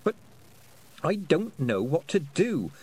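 A stubborn young girl who wants to be a witch, as a male narrator voices her, earnest and sharp-tongued. The voice is lifted higher than his own and moves lively up and down. She presses and pleads in a quick, plain way. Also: slightly rough, heavily acted. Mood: anxious. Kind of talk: audiobook character voice.

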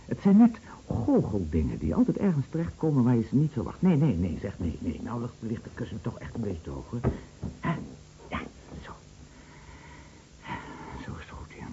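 An actor playing a chatty, teasing, fretful bedridden husband in a radio play, stammering and musing with theatrical emphasis. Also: male voice, mid-range voice, wildly swooping pitch, normal speed, long pauses. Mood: wry, musing. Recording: muffled old radio play recording, slight noise.

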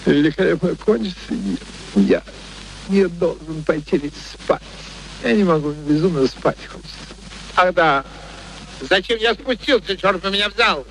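An actor playing an irascible, arrogant professor in a Russian radio play, blustering and exclamatory. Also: male voice, high-pitched, sing-song, unhurried, a bit bright, full character voice. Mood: grumpy, sleepy. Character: irascible, arrogant male professor Higgins, bullying and indignant. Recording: noisy old radio drama recording.

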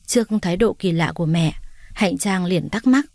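A woman's voice: on the low side, animated, normal speed, mellow, no echo, clean studio sound. Woman narrating a heartfelt story.

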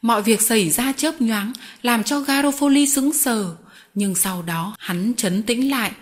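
A woman reading a novel aloud as first-person audiobook narration, with steady, expressive storytelling. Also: fairly high pitch, unhurried.

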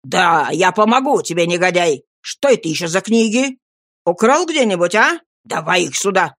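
A woman drops her voice to play a brutal street thug, a grown man who growls and barks his orders in a slow, bullying way. The sound is close and dry. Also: on the low side, very animated, fairly bright tone, dry recording, full character voice. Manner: gruff, bullying, barking orders.

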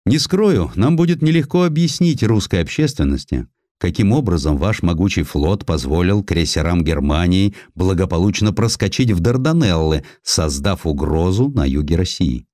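A man's voice: low voice, very animated, normal speed, dark tone, no room sound, clean studio sound. A man voicing a stern Russian diplomat in a historical audiobook, speaking formally and pointedly. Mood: displeased. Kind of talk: dramatized audiobook.

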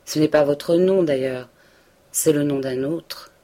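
A woman's voice: low voice, measured pace, dark tone. A woman reading a melancholy pleading male seducer. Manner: impassioned, pleading declarations.

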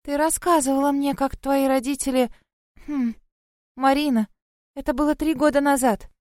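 A bright, high-pitched young rabbit girl, as a woman reading a storybook puts her on, earnest and fussing over a friend. Her worried voice sits well above the narrator's, and the sound is close and dry. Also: steady tone, normal speed, dry recording, close to an everyday voice. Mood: concerned.

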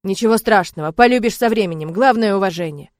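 Woman doing a strict angry dad, loud clipped orders, dry sound. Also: medium pitch, fast talker, dry recording, natural voice. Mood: stern. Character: stern commanding middle-aged father.

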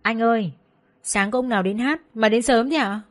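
A woman's voice: on the high side, moderate pace, close to an everyday voice. A woman voicing a jealous, spiteful young hostess who taunts and tattles. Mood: tattling. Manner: sneering, taunting.

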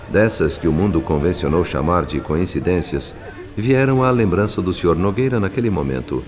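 A man with a Brazilian accent narrating a radio soap as a solemn witness, grave, theatrical and measured. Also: deep voice. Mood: grave, wistful. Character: solemn male spirit narrator recounting a tragedy.

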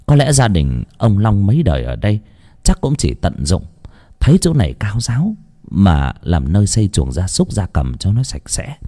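A man reads a ghost story aloud at an unhurried pace. His voice is low and mellow, and his pitch rises and falls a great deal as he tells it. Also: huge pitch swings.

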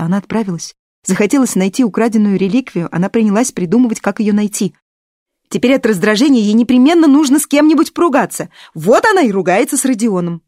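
A woman's voice: fairly high pitch, a little mellow, no room sound. Woman reading an audiobook, dry recording. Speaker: audiobook narrator. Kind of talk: expressive scripted narration.

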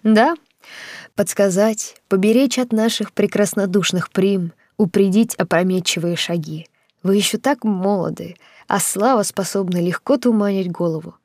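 A woman narrator voicing a poised court lady in her fifties, measured and slightly gloating. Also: mid-range voice, a little mellow, no room sound, lightly acted. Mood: gracious. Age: 50s. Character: poised older court lady, wry and gracious.

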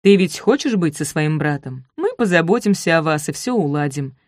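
Brief: a woman playing an uneasy young male kidnapper, slightly lowered, dry close read. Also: lively intonation, normal speed, no echo. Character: nervous young male kidnapper, a boss's son.

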